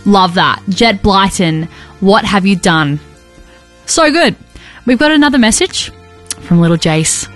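A young Australian woman hosting a radio show, chatting casually in a husky voice with a rambling, enthusiastic manner. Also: mid-range voice, lively intonation, unhurried, long pauses, soft background music. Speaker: radio host. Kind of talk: casual on-air chat. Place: radio studio.

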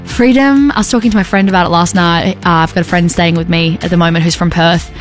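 A young Australian woman hosting a radio show, chatting casually in a husky voice with a rambling, enthusiastic manner. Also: lowish voice, fairly even intonation, quick pace, soft background music. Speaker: radio host. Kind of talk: casual on-air chat. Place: radio studio.

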